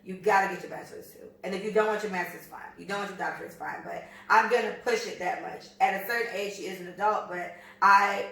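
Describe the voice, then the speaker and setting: An American woman in her thirties chats on a podcast, blunt and full of swearing, telling her stories with a lot of energy. She talks fast. Her voice sits back from the mic in a very echoey room. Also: medium pitch, recorded from a distance. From United States. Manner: profane, blunt and animated storytelling. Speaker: podcast co-host. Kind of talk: casual chat.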